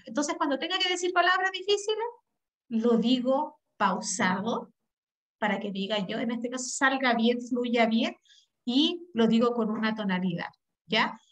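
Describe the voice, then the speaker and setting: A woman with a Chilean accent teaching a class over a video call, explaining at length and often checking that her students follow. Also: on the high side. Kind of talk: online class lecture. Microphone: laptop mic on a video call.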